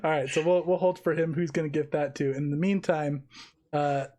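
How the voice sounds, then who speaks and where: A woman's voice: low-pitched, steady tone, moderate pace, mellow. A woman running a tabletop roleplaying game as game master, talking casually and playfully.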